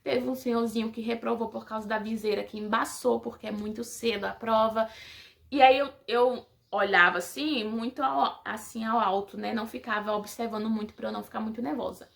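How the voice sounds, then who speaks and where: A woman's voice: fairly high pitch, steady tone, brisk, creaky. A young woman, telling her personal story to viewers in an emotional, religious, casual way, laughing often. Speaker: vlogger giving a personal testimony.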